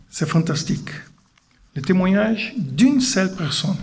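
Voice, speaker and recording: In a Brazilian accent, a man speaks at a high pitch, with audible room echo. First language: Portuguese (speaking French). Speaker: preacher. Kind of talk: sermon. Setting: church. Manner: halting non-native French.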